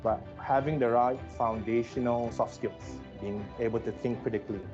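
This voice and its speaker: A man's voice: mid-range voice, fairly even intonation, moderate pace. A man in a corporate role speaking in a promotional interview, thoughtful and conversational. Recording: dull lo-fi audio with music bed. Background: background music.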